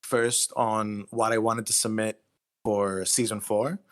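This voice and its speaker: A man being interviewed as a writer, explaining himself casually in a thoughtful, somewhat halting way. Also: lowish voice, flat delivery.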